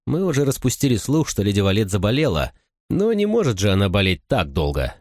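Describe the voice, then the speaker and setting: A calm, self-assured gang leader who talks in a low, quiet way, as a deep-voiced audiobook reader plays him. The sound is dry and close to the mic. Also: male voice, a little fast, no echo. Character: male crew leader, calm and confident.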